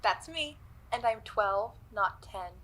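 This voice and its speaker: A woman's voice: fairly high pitch, animated, slow, pushed and bright, full character voice. A woman playing an eager, blunt twelve-year-old girl in an audio drama, forthright and a little cheeky.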